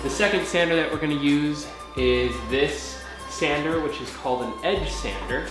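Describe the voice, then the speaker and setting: A man's voice: on the high side, moderate pace. A young man talks through a floor refinishing job with upbeat, step-by-step explanations. His voice bounces around a bare, echoey room, with music playing underneath. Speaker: DIY renovator. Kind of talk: DIY how-to walkthrough. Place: empty room under renovation, indoors.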